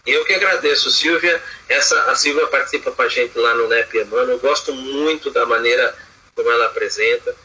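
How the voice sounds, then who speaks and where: A man's voice: mid-range voice, a little fast, pushed and bright, slightly rough, highs cut off. A man speaking earnestly as a guest in an online study group, hesitant with many fillers and restarts, over a video call.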